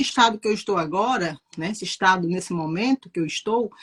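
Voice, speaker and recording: A woman with a northeastern Brazilian accent sounds animated, using ordinary pitch variation, recorded dry and close with no echo. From Brazil, Rio Grande do Norte interior (Northeast). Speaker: spiritual mentor and co-author. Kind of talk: casual live interview. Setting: Instagram live video.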